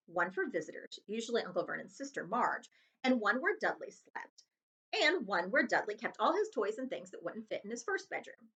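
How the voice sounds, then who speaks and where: A woman reading a children's chapter book aloud as host, with expressive narration. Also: mid-range voice, highs cut off.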